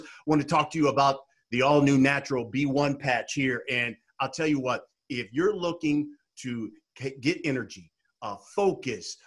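A man's voice: mid-range voice, a bit bright. A man hosting a podcast interview who laughs often and reads an ad. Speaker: podcast host. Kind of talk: casual interview.

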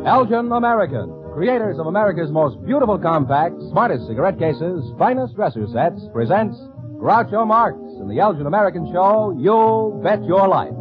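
Male announcer, grand build-up, high and sweeping, muffled vintage radio sound. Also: very animated, normal speed. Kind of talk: 1940s radio sponsor announcement. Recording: muffled old radio recording. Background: prominent music.

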